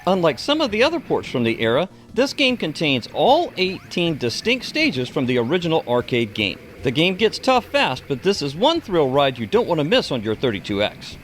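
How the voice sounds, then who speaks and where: A man's voice: on the high side, a bit bright. A middle-aged man reading an enthusiastic scripted video game review as its presenter.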